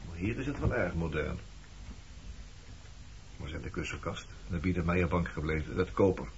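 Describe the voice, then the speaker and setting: A man's voice: sits low, lively intonation, normal speed. An actor playing a blunt, nonchalant sailor in his late thirties in a Dutch radio play. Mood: critical, curious. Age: late 30s. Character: weathered roaming sailor nearing forty, blunt, nosy, nonchalant old flame. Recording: dull lo-fi radio recording, clear noise.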